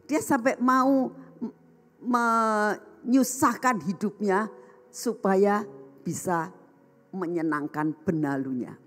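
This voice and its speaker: A woman's voice: mid-range voice, takes it slowly, pauses often, a bit bright. A woman evangelist preaching a sermon, telling a story animatedly and acting out the voices in it. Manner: addresses the congregation as brothers and sisters.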